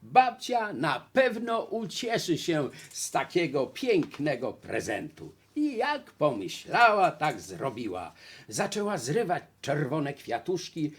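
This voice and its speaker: Slow, husky male storyteller. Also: fairly high pitch, wildly swooping pitch. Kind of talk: fairy-tale narration.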